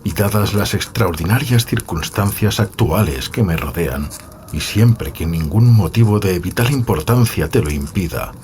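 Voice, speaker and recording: Man voicing troubled aristocrat, low-pitched, formal measured letter reading, horror audio drama, noisy ambience behind. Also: animated, a little mellow. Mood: grave, pleading. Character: Roderick Usher, agitated ailing nobleman reading his letter.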